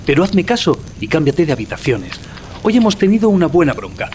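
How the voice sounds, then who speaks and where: Casting: earnest young student, secretive and anxious, highish swooping voice, audio drama with noisy ambience. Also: male voice, very animated, a little fast, darkish tone, faint music behind. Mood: grave, evasive.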